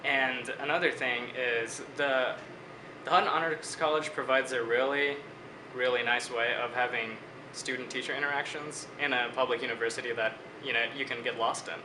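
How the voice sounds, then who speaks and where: A man in his twenties from Bangladesh, a student answering interview questions in a measured, reflective way. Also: mid-range voice, steady tone, reverberant, background noise. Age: 20s.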